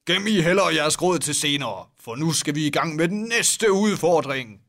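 A man's voice: a little high, lively intonation, a bit bright. A man reading a story aloud in a mock-dramatic way, joking and laughing with a co-host. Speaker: podcast co-host reading fan fiction aloud. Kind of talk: comic read-aloud with banter.

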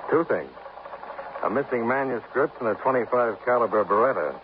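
An actor playing a laconic insurance investigator who narrates and talks terse and matter-of-fact in a 1950s radio drama. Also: male voice, mid-range voice, animated, brisk, lightly acted. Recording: tinny, lightly hissy old radio broadcast.

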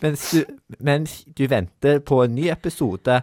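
A man putting on a halting baby-talk voice to sign off a student radio show. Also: on the high side, expressive, darkish tone, slight background noise, pitched above the performer's own voice, lightly acted. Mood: goofy baby talk. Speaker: show co-host.

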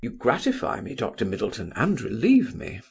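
A man voicing a proud, courtly gentleman suitor with formal manners in an audiobook novel. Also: mid-range voice, wildly swooping pitch, moderate pace, vocal fry, husky, full character voice. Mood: courteous.

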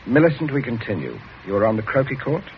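A man's voice: mid-range voice, very animated, fast talker. An actor playing a cold, domineering country squire and magistrate who interrogates his family in a clipped, commanding voice, in 1940s radio drama style. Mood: interrogating. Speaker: father. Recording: muffled old radio broadcast with hiss.

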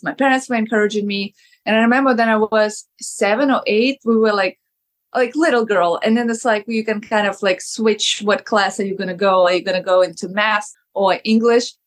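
Ukrainian-accented woman in her 30s, chatty, lots of "like", mid pitch. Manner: lively storyteller, laughs often, many "like"s. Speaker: actress, guest. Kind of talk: casual interview.

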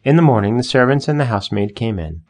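A man narrating a fairy tale in a measured, gentle storytelling manner. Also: mid-range voice, lively intonation, faint music behind.

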